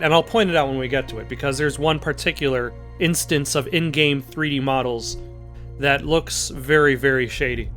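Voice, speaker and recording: A man hosting a let's play with casual, improvised commentary, thinking aloud in a halting way. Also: fairly high pitch, a bit bright. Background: music.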